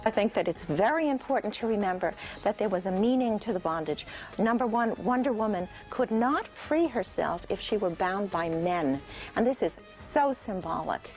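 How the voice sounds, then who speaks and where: A woman speaking briskly and emphatically in a documentary interview, at a mid-range pitch. Faint music sits in the background. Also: lively intonation, darkish tone. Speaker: commentator on comics.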